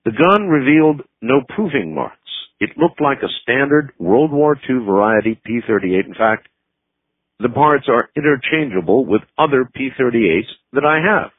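Male radio host, smooth broadcast delivery, lively rising and falling pitch, slightly husky, narrow phone-like radio sound. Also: moderate pace, dry recording. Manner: smooth radio host delivery, reads listener letters aloud. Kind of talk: late-night radio call-in show.

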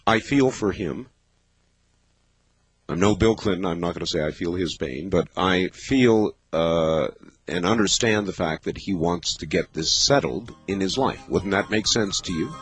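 A man of fifty hosting a late-night call-in radio show, talking in a thoughtful, measured way with many pauses and fillers. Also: low-pitched, husky, faint music behind. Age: 50s. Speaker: radio talk show host.

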